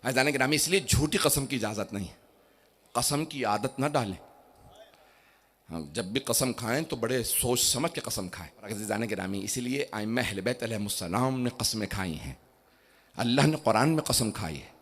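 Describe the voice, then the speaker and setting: A man preaching an impassioned sermon to a gathering, dropping to quiet asides and then building to loud, drawn-out shouted climaxes. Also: mid-range voice, animated, husky. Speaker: Shia cleric giving a religious lecture. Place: gathering before a crowd.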